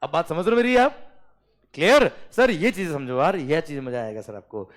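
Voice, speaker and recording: An Indian-accented male teacher lecturing a class, his voice slightly high and swinging widely in pitch. He reads out lines slowly, word by word, then explains them at speed. He keeps checking in with his students. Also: lively intonation. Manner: checks understanding often, calls students "beta" and "sir".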